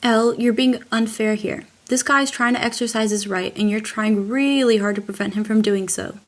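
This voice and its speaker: A woman's voice: fairly high pitch, fairly even intonation, moderate pace, lightly acted. A woman performing scripted readers theater in an earnest, firm, explanatory manner as a fair-minded advocate. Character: fair-minded woman defending a voter's rights.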